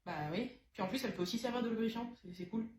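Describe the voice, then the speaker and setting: A woman's voice: on the high side, very fast, darkish tone, lightly acted. A woman playing a sarcastic young woman in pain. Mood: gushing. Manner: sarcastic, exasperated. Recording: roomy echo.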